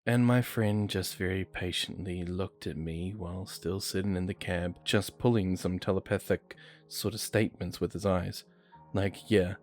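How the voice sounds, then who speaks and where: A man with a very low voice reads true creepy stories aloud. His delivery is steady and measured. Faint music plays beneath him. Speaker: narrator. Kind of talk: reading horror stories aloud.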